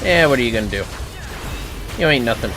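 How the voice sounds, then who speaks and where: A man with a medium-pitched, animated voice talks briskly and bluntly, swearing as he plays a game on a livestream. There's noise in the background of this casual gaming chat.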